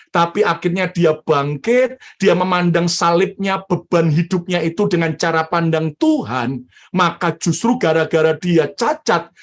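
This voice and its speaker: High-voiced animated male pastor preaching. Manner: animated preacher, calls for amens. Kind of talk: sermon.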